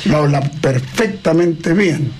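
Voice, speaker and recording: A man's voice: a little high, unhurried, a little mellow, slight background noise. A man hosting a radio show, asking questions in a friendly, chatty manner. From Chile. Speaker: radio host.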